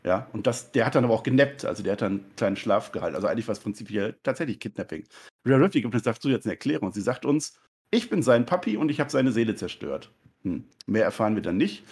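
A man co-hosting a wrestling review podcast, joking and chatty in casual talk. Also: on the low side. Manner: joking, quick and animated. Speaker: podcast co-host. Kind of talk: casual chat.

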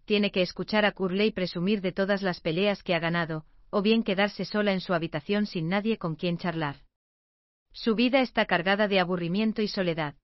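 Woman calmly narrating a book summary. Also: mid-range voice, dry recording, highs cut off. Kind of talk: scripted narration.

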